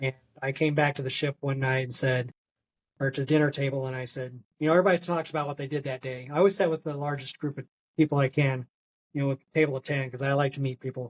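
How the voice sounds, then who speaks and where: A man's fairly high-pitched, somewhat breathy voice at a very fast pace, fairly even in intonation, with a dry, close sound and no echo. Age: 60s. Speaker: cruise travel advisor. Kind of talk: podcast interview.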